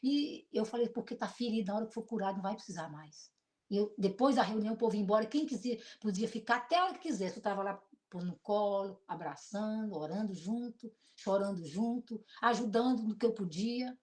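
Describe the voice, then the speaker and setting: A middle-aged woman pastor with a Brazilian accent and a deep voice, preaching an emotional sermon built on personal testimony. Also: brisk. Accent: Brazilian Portuguese. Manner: emotional, animated storytelling with shifts between loud and soft.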